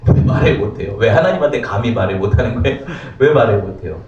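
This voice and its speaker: Male pastor, sermon, animated questioning delivery; distant, dull, roomy church recording. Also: on the low side, quick pace, a little hiss or hum. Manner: animated, asks the congregation many rhetorical questions. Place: church sanctuary.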